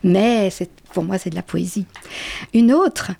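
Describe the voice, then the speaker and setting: Woman, interviewer, mellow voice, dry close sound, reads quotes. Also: mid-range voice, measured pace, gravelly, no echo. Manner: reads quotations aloud, warm praise. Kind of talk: literary interview.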